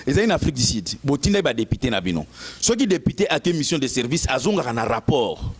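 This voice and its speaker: Congolese male commentator, medium-pitched voice, informal political talk. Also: very animated, fast talker, slightly rough.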